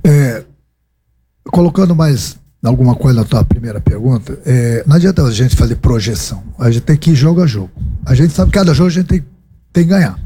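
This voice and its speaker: A Brazilian football coach fields reporters' questions at a press conference, speaking with a Brazilian Portuguese accent. His medium-pitched voice is mellow and slightly rough, animated and fairly quick, and he stresses his points emphatically, repeating them and posing rhetorical questions.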